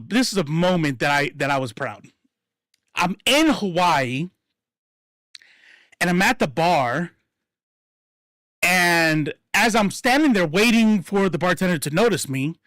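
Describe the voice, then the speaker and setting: A man telling stories in casual chat, profane and animated, acting out what people said. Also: sits high, dry recording, studio quality. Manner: profane, animated, acts out quotes.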